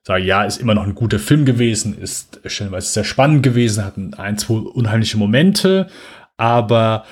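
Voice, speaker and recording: A man's voice: lowish voice, animated, normal speed, slightly rough. A man co-hosting a podcast, chatting casually in a rambling, hesitant way with many fillers. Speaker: podcast co-host. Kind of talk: casual chat.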